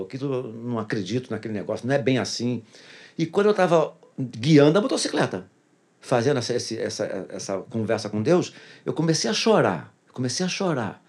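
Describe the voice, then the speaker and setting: Husky man telling his testimony. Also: mid-range voice, darkish tone. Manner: earnest storyteller who repeats phrases for emphasis. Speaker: pastor. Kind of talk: personal testimony in a casual interview.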